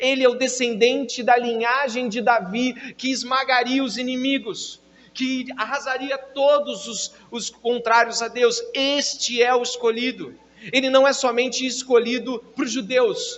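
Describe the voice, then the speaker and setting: The speech moves at a fairly slow pace with monotone, flat intonation. Noticeable background noise can be heard. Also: man, extremely high pitch for a man. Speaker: pastor. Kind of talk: sermon.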